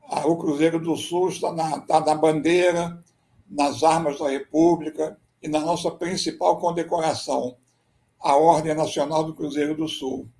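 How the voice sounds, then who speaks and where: A Brazilian man, a military history researcher and writer, giving a measured, explanatory slide presentation and often tagging his sentences with a questioning "né?". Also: on the high side, little pitch movement, a little mellow. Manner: measured, explanatory, with frequent "né?" tags.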